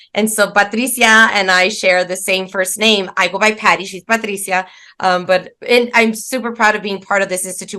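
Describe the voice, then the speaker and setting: A woman with an American accent speaks in a bright, sharp tone and fairly even intonation. The recording is very clean, with a silent background. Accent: Texas border Mexican American English. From Texas, El Paso border. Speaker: business psychologist, institute co-founder. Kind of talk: interview conversation.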